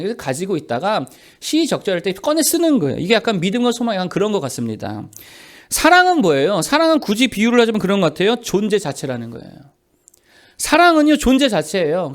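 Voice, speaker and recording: A man preaching a sermon as pastor, asking the congregation questions and answering them himself. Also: sits high.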